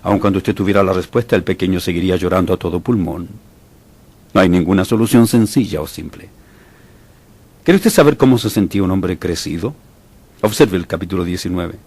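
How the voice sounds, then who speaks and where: Male preacher, very low voice with a husky edge, emphatic sermon delivery. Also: a little fast, a little mellow. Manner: emphatic, with sudden rises in pitch and volume.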